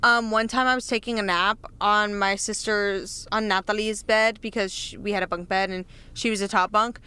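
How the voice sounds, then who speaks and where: A young woman chats casually as a podcast co-host. Her voice is very bright and forward, with a smooth, crisp tone. She talks bluntly and teasingly, with plenty of swearing. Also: medium pitch, steady tone, moderate pace. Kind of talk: casual chat, sibling anecdotes.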